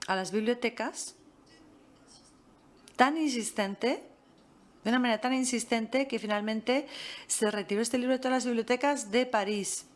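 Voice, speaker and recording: A woman from France giving a master class, speaking in a measured way with frequent pauses and fillers. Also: fairly high pitch. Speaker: guest lecturer.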